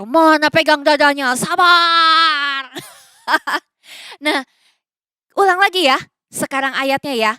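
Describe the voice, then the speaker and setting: A woman giving a children's sermon, animated and coaxing with questions, mixing in English phrases. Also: high voice, no echo. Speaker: children's church teacher. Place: church recording.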